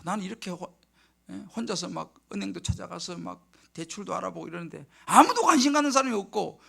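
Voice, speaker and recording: A male pastor preaching a midweek sermon, telling a personal story with lively delivery and acting out his own prayers in hushed tones. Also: high-pitched, gravelly. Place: church sanctuary.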